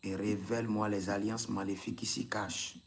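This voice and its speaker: A man's voice: on the low side, little pitch movement, a little fast, creaky, slight background noise. A man, a prophet leading a live prayer session, repeating intense commands and breaking into tongues.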